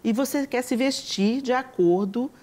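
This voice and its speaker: Earnestly quoting scripture between animated stories, a Brazilian woman delivers conversational preaching on a talk show. Her accent is Brazilian Portuguese. She speaks at a moderate pace in a fairly high-pitched voice.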